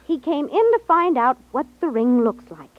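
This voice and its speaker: An actress playing a wary, anxious young daughter of a jeweler in a 1950s radio drama, speaking earnestly. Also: female voice, sits high, very animated, moderate pace, no room sound. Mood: suspicious. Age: young adult. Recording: dull 1950s radio recording.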